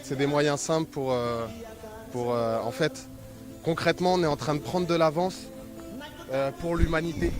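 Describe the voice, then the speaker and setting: A man from France answering an interview, rambling and hesitant, with many fillers. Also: mid-range voice. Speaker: workshop participant. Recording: music playing over the voice.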